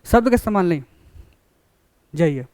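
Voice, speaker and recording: A man's voice: sits high, normal speed, a little mellow, smooth, no room sound. A man giving a college lecture, explaining with classroom examples and often checking that students follow.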